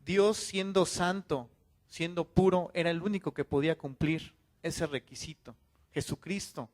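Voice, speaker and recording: A man's voice: a little high, steady tone, measured pace. A man preaching a fiery sermon, firing off rhetorical questions and calling his listeners to repent. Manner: acts out quoted voices of churchgoers.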